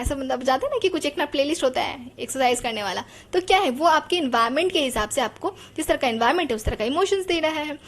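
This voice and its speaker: A woman gives a psychology lesson. She talks in a chatty way and keeps putting rhetorical questions to her students. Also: sits high. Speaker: teacher.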